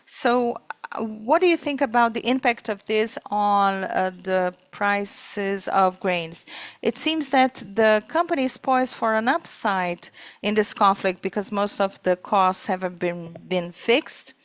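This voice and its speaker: Slow, halting woman interpreting live. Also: mid-range voice, no echo. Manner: halting, piecemeal phrasing. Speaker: simultaneous interpreter. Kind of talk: live interpreting of a corporate earnings call.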